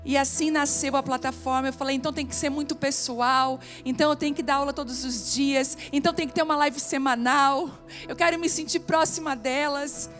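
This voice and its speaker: A middle-aged Brazilian woman pastor with a Brazilian Portuguese accent preaches from a church conference stage at a women's event, faint music behind her. Her voice sits high and fairly even, brisk with few pauses and a bit bright, as emotional personal stories rise into emphatic exhortation.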